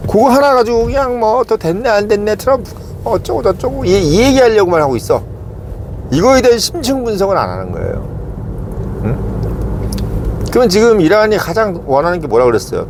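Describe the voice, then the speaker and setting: A middle-aged man giving casual political commentary. He talks in short bursts, checks in with his listeners every few lines, and slows down to stress key words. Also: medium pitch, darkish tone, slight background noise. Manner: talks in short bursts, keeps asking "응?" and "어?" for agreement.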